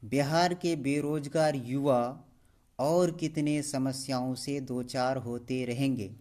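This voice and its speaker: A man's voice: medium pitch, steady tone, slow, a little mellow. A man presenting a scripted news report, speaking in a pointed, rhetorical manner.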